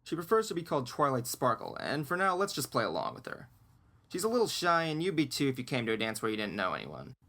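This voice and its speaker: Man acting as casual young male friend, sharp bright tone, mid-range pitch, supportive, audio story dialogue. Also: huge pitch swings, fast talker, exaggerated voice. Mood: easygoing.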